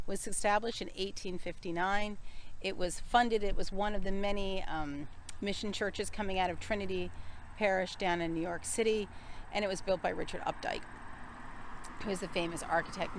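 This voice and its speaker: A woman's voice: medium pitch, a little hiss or hum. An American woman leading a walking tour outdoors on a village street, explaining as she goes with asides and self-corrections. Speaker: tour guide.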